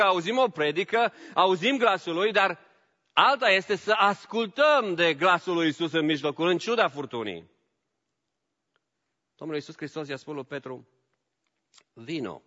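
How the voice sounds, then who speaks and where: A man preaching a sermon as pastor, swinging between loud exhortation and soft low asides, dropping in English phrases. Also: long reverb tail, muffled recording.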